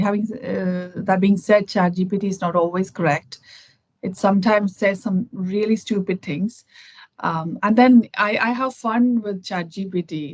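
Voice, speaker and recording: Speaking as an interview guest over a video call, a woman from Kerala chats casually and thoughtfully in an Indian accent, restarting often and filling gaps with fillers. Her voice is mid-range and darkish. The audio is poor, with no room sound.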